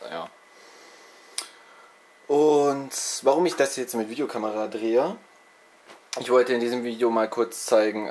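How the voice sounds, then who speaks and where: Speaking at medium pitch with slight background noise, this young man runs a let's play channel and chats loosely in a rambling info vlog, poking fun at himself and filling gaps with fillers. A cold leaves him a little stuffed up, and the camcorder's built-in mic records him indoors in a bedroom with a TV and consoles.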